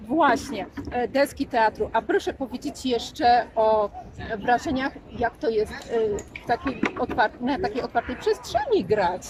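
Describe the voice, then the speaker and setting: A woman's voice: a little high, animated, a little slow. A woman hosting a vlog interview in a courteous, slightly hesitant, formal way. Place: outdoors in a town street. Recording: outdoor recording with crowd and traffic.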